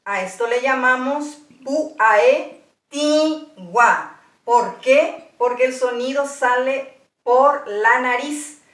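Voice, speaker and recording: A woman with a Paraguayan Spanish accent, giving a slow, patient language lesson and spelling out sounds one by one. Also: sits high, a bit bright, reverberant, recorded from a distance. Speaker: language teacher.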